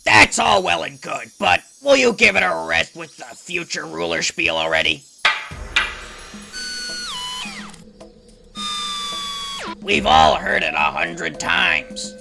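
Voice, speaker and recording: A man's voice: fairly high pitch, sing-song, a little slow, vocal fry, few pauses, over music, full character voice. A man playing a grumpy elderly ape in an audio drama, scolding and folksy like a curmudgeon. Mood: irritated, scolding. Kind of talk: audio drama character acting.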